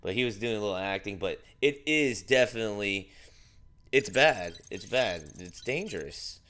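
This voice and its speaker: A man's voice: lowish voice, animated, normal speed, fairly bright tone. A man hosting a casual live news stream, joking and rambling with lots of fillers. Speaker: livestream news host.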